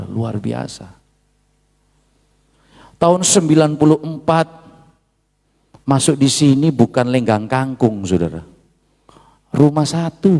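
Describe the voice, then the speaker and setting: A male pastor preaching a sermon, dropping from low murmurs to loud high shouts and slipping into asides. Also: creaky. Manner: mixes Indonesian with Javanese asides. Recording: long hall reverb.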